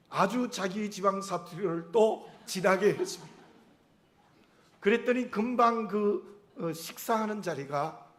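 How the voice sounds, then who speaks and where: A middle-aged male pastor with a regional Korean dialect intonation, preaching a sermon in an earnest, measured way and asking rhetorical questions. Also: high voice.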